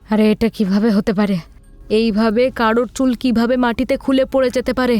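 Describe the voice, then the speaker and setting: A woman's voice: fairly high pitch, fairly even intonation, fairly quick, darkish tone, faint music behind, natural voice. A woman playing an alarmed, superstitious middle-aged aunt who speaks emphatically in an audio horror drama. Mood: alarmed, suspicious.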